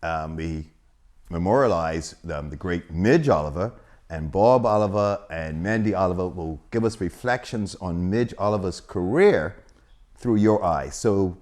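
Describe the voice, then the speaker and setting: Male interviewer, lowish voice, friendly and chatty. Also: a little mellow. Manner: friendly, prompting questions, quick to laugh. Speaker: sports show host. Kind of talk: interview hosting.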